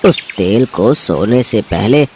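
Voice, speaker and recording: Old herb hawker, low voice, slow drawn-out calls, birdsong and insects outdoors. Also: male voice, expressive, noisy background. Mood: hawking. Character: old male street herb seller.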